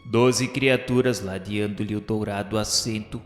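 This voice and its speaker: A man's voice: on the low side, steady tone, unhurried. A man with a Brazilian accent narrating a scripted radio drama in a formal, literary, solemn storytelling manner. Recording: echoey hall reverb, faint music behind.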